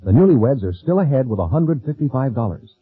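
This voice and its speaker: A man's voice: mid-range voice, big pitch swings, fast, breathy edge, phone-quality sound. An American man working as a radio announcer, delivering scripted copy in 1940s style on an old recording.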